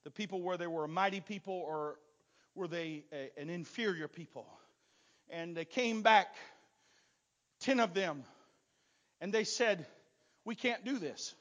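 A man preaching a sermon, swinging from quiet asides to loud, shouted exhortation. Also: high voice, unhurried, pauses often. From not from Texas.

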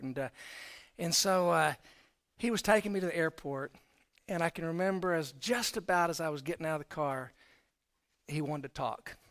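High-voiced preacher man. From Texas, raised in Florida. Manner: conversational, swings from quiet to loud emphasis. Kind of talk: sermon with personal storytelling.

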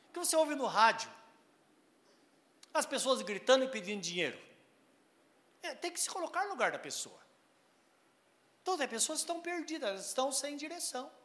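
A man preaching a sermon, emphatic, quoting scripture and swinging sharply between loud and soft. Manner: emphatic preaching with sweeping pitch and loudness swings; quotes scripture and acts out voices in a raised tone.

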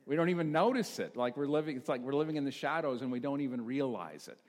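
An older man preaches to his congregation in an easy, self-deprecating way. His middle-pitched voice carries a long reverb from the church around him. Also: lively intonation, quick pace. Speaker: pastor. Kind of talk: sermon. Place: church sanctuary.

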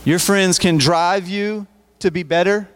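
Give me a man preaching to teenagers in a relaxed, repetitive way, smooth voice, reverberant hall. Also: sits high, measured pace. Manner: conversational, repeats words and restarts. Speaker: youth speaker. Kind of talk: youth service sermon. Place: church hall.

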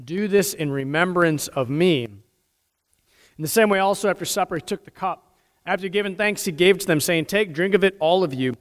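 A pastor with an American accent and a voice that sits high solemnly leads formal prayers and liturgy at a fairly quick pace. The service takes place in a large church, and the echoey hall gives a long reverb.

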